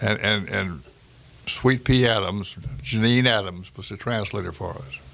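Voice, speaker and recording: This man's voice has a fairly low pitch, vocal fry and a bright, sharp tone. His pitch varies in an ordinary way, with big swings in loudness. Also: fairly slow pace. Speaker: WW2 veteran. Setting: studio. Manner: unhurried, folksy and wry, chuckling as he tells the wine-car anecdote.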